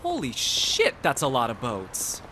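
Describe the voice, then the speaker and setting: A woman playing an inquisitive, casual cryptid in disguise in an audio drama, with a deadpan, probing manner. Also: very deep voice, unhurried, a little hiss or hum, heavily acted. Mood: impressed.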